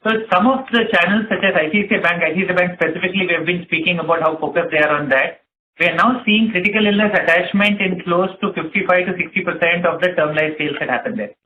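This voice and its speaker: A man giving measured, explanatory answers as a company executive on an earnings call. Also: high voice. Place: conference call. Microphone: telephone. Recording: tinny phone line with noise and clicks.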